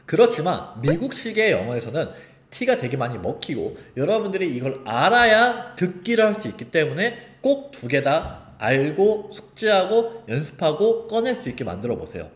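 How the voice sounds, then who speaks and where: A man teaching an online pronunciation lesson, explaining and demonstrating sounds in a lively way. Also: on the high side, moderate pace. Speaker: English teacher. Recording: roomy echo.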